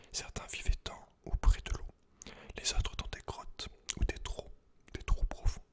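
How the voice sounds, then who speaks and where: A man speaking in a breathy, unvoiced whisper, reading aloud in an ASMR style with informal, soft-spoken asides to the listener. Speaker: ASMR video creator.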